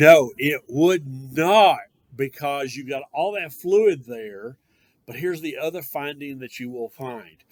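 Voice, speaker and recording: In a Southern US accent, the speaker talks at a fairly slow pace with big swings in loudness and ordinary pitch variation. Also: man, fairly high pitch for a man. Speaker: instructor. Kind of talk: lecture.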